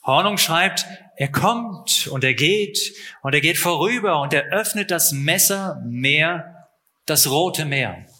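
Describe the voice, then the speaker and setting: This man works as a live interpreter and turns each phrase around quickly. His voice is bright and sits a little high. His delivery stays matter-of-fact, with occasional filler sounds. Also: expressive.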